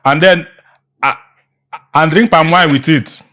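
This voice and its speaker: A man's voice: a little high, unhurried, sharp tone. A man conducting an interview with brief prompts and questions.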